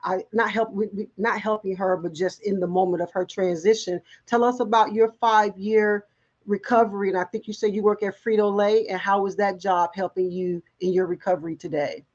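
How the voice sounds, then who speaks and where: A woman's voice: mid-range voice, steady tone, moderate pace, a little mellow, lo-fi sound. A woman hosting an interview, asking encouraging questions and often restarting her sentences. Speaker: talk show host. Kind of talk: interview in recovery show.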